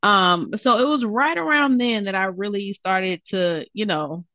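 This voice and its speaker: A woman's voice: medium pitch, measured pace, pushed and bright, no room sound. Blunt woman in her thirties, slightly dull sound. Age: 30s. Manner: blunt, laughing, frank. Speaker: guest. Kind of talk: casual chat.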